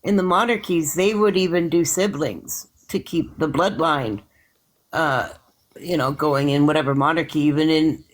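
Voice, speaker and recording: A man's voice: on the high side, moderate pace, rough recording. A man in casual chat, rambling through explanations with frequent restarts and hedges.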